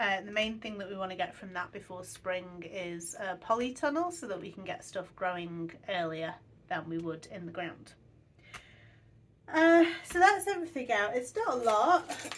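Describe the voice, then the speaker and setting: Speaking at a moderate pace, a woman uses lively intonation at a medium pitch. Her loudness swings widely. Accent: British. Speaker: budgeting vlogger. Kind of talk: casual talk to camera. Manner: less chatty than usual.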